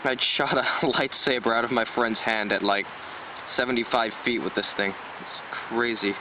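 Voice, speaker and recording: A man's voice: medium pitch, fairly even intonation, normal speed. A man giving a casual, enthusiastic hands-on product review in an informal, rambling way. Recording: dull lo-fi sound, loud road noise. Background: traffic, passing buses and cars.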